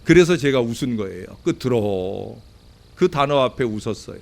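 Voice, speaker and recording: A man's voice: medium pitch, lively intonation, fast, creaky. A middle-aged man preaching a Sunday sermon as pastor, earnest and building to emphatic peaks. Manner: earnest preaching that swells to emphatic peaks, with shouted acted quotes.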